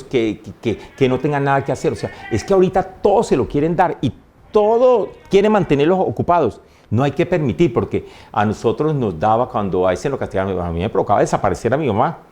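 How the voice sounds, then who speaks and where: A man, a priest and invited guest, telling personal stories in an animated, conversational way, often laughing and acting out his mother's words. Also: medium pitch. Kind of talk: conversational storytelling.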